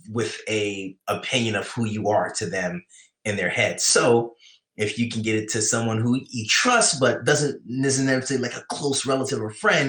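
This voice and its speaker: A man's voice: lowish voice, fairly bright tone. A man with a New York accent, chatting casually on his live writing stream, rambling with many restarts as he answers chat. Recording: echoey room.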